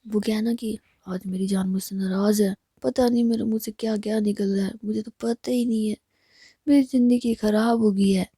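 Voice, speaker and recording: A woman narrator voicing a playful young woman pleading with her partner, mostly in a low whisper, with a creaky, husky voice. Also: fairly even intonation, fairly quick, dark tone, no echo, clean studio sound. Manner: whispered, coaxing.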